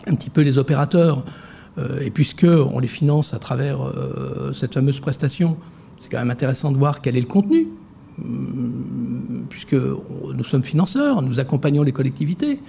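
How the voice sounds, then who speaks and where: A man's voice: mid-range voice, expressive, normal speed, vocal fry, warm tone, slight background noise. A man giving hesitant, filler-heavy answers in a TV interview as director of a social security fund. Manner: hesitant, many fillers and restarts.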